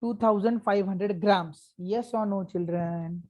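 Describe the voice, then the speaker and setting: A woman's voice: medium pitch, takes it slowly, mellow, muffled recording. A woman with a South Asian accent teaching a school maths lesson, sternly prodding pupils and checking for answers.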